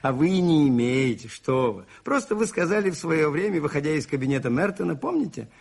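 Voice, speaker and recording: An actor playing a calm, firm Catholic priest detective in a radio play, reasoning in a measured, deliberate, husky voice. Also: male voice, fairly high pitch, exaggerated voice. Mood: calm, explaining. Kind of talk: 1980s Soviet radio play acting.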